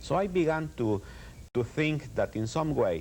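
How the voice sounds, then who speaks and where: A man talks with a Spanish accent. His pitch swings very widely. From El Salvador. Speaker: Lutheran pastor. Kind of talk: TV interview. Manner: halting.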